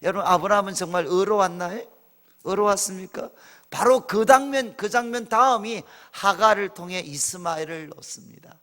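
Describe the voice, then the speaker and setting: A man's voice: sits high, moderate pace, sharp tone. A male pastor preaching a sermon in a church, telling stories animatedly with acted quotes. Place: church sanctuary. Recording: reverberant church hall.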